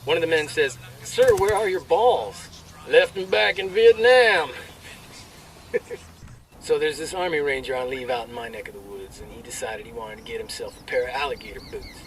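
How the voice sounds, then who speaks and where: An actor playing a brash, crude army soldier telling jokes with swaggering military banter and drawn-out delivery. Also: male voice, fairly high pitch, expressive, distant mic, slight background noise, low-quality recording. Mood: cocky, joking. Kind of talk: military banter, performed joke storytelling.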